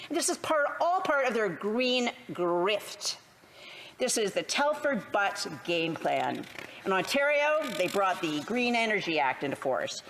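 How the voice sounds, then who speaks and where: A Canadian woman, an opposition politician, delivers a prepared parliamentary speech with deliberate, sarcastic phrasing. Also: medium pitch, very animated, a bit bright, a little hiss or hum. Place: legislative chamber.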